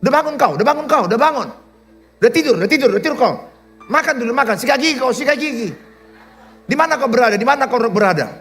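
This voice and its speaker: A man's voice: very high-pitched, expressive, racing, fairly bright tone, faint music behind. A man, a preacher, acting out a bossy, possessive young girlfriend who nags her boyfriend with repeated orders. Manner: nagging, repeating commands.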